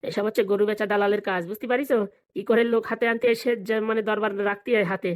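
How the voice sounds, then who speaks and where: A woman's voice: medium pitch, steady tone, natural voice. A woman voicing a scheming, money-hungry village father in a comedy cartoon, scolding and bantering. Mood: bossy, bantering. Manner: rapid, colloquial, bantering scolding.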